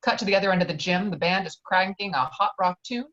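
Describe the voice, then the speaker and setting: A woman's voice: on the low side, fast talker, a bit bright, dull audio. A woman reading screenplay stage directions aloud as narrator of a table read.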